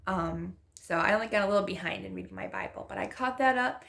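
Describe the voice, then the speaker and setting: Talking fast in a gravelly, fairly bright mid-range voice, a young planner vlogger with allergy-stuffed sinuses decorates her planner. Her casual chat is gushing and full of restarts.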